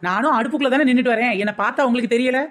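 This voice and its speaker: A woman voicing a sharp-tongued housewife in a cartoon comedy, snapping back at her husband with sarcastic retorts. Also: fairly high pitch, very fast, close to an everyday voice.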